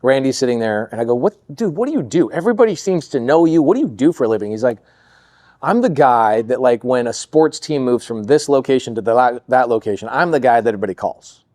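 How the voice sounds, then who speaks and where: A man telling stories as a guest on a podcast, lively and acting out quoted lines in other voices. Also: mid-range voice, fast talker, no room sound, studio quality. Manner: animated storyteller, acts out quoted voices. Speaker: podcast guest, real estate investor. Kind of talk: storytelling interview chat.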